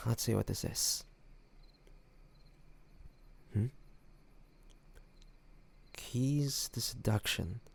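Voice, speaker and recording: A man's voice: fairly low pitch, very slow, gravelly, pauses often, breathy edge, heavily acted. A man acting a cocky young student in an audio roleplay, teasing and mocking an academic rival. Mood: incredulous, amused. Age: young adult.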